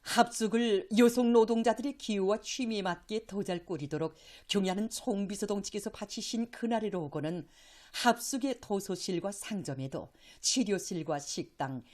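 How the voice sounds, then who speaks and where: A woman television announcer speaks with a North Korean accent. She reads formal scripted news in a solemn, reverent and declamatory way, at a middle pitch for a woman. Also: dark tone.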